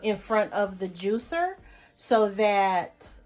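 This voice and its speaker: A woman's voice: mid-range voice, lively intonation, slow, a little mellow, soft background music. A woman vlogger speaking in a casual, folksy instructional way, addressing her viewers directly as she explains things step by step. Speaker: homesteading vlogger demonstrating home canning.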